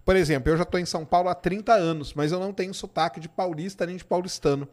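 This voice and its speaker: A man's voice: sits high, fast talker, a little mellow. A middle-aged Brazilian man with a Minas Gerais accent, hosting a science live stream and chatting casually with viewers. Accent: Minas Gerais Portuguese. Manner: chatty, informal, answers chat questions with tag "tá?". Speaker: science show host.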